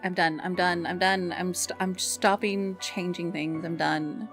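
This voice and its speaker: A woman's voice: lowish voice, steady tone, a little slow, a bit bright, soft background music. A woman hosting a livestream in casual, chatty talk with self-deprecating grumbling, speaking into a streaming mic. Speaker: livestream host.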